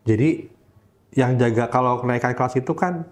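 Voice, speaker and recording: Man, casual storyteller, mid-pitched voice, lively, acts out other voices, searches for words. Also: normal speed. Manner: animated, acts out the voices of people in his story; searches for words with frequent fillers. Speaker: interview guest recounting a religious conversion.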